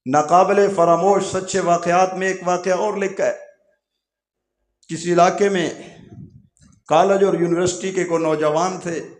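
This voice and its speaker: Male preacher telling emotional sermon stories, emphatic, kinda high voice, echoey. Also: fairly even intonation, long pauses. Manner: dramatic, emphatic, acts out quoted dialogue. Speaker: Islamic preacher.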